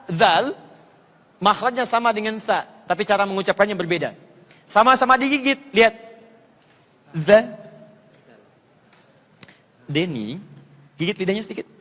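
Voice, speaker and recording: Higher-voiced male preacher in an echoing hall. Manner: animated, demonstrates letter sounds by repeating them; coaches audience volunteers in front of a crowd. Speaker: Islamic preacher. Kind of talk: religious lecture teaching Quran pronunciation. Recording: long hall reverb.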